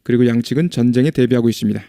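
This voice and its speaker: A man giving a vocabulary lesson in a mellow, relaxed voice. He reads example sentences slowly and then works through what each word means. The recording is dry and close. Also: medium pitch, no echo. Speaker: English teacher.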